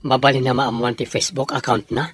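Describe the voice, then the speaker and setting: A woman voicing a polite, low-key young man in an Ilocano Filipino audio drama. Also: flat delivery, fast, slightly rough, no room sound. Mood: shyly interested.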